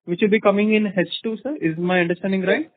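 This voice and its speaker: A man's voice: high voice, steady tone, fast, dry recording. A man with an Indian accent asking questions as an analyst on a call, deferential and a little hesitant. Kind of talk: unscripted question and answer. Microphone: telephone. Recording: dry tinny phone line.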